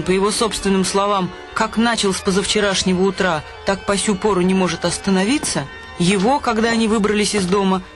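A man narrating a radio play in an ironic storytelling manner. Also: high-pitched. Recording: radio play with loud music.

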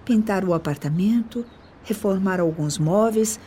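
An actress playing an affectionate, teasing young daughter in a Brazilian radio drama, playful and expressive. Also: female voice, mid-range voice, a little slow, a little hiss or hum, natural voice. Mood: delighted.

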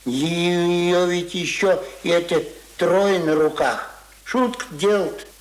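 A man's voice: high-pitched, slow pace, poor audio. An actor playing a querulous, hungover old village grandfather who grumbles in folksy speech in a radio play. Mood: scolding. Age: older. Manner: folksy, querulous, muttering and exclaiming.

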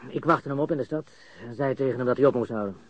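An actor in a radio crime drama playing a nervous, bitter small-time crook who stammers and talks in slang while confessing under interrogation. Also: male voice, medium pitch, fast talker, no echo, close to an everyday voice. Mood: bitter, resigned. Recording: dull lo-fi studio radio recording.

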